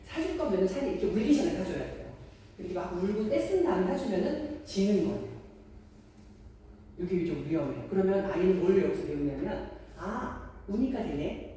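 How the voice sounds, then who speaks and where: A woman leads a parenting lecture, acting out parents and children with lively swings in her voice. Her tone is mellow, and she sounds set back from the mic in a large, echoing room. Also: a little fast, recorded from a distance, slight background noise. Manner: animated, acts out parent and child lines in a higher voice. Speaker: daycare parent-education lecturer.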